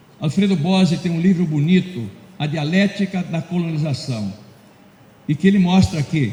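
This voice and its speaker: A man with a high voice speaks at a fairly unhurried rate. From southern Brazil (Rio Grande do Sul). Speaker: education professor. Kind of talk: keynote lecture. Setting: conference hall with audience. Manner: hesitant, many fillers and repetitions.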